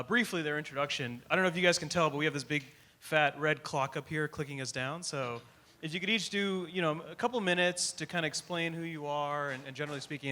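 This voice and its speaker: A man moderates a panel with quick self-deprecating jokes. His voice is high for a man and very bright. He speaks into a handheld mic on a tent stage, picked up by a camera in the crowd. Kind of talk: joking moderation. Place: large tent stage before an audience. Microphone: handheld mic, far camera.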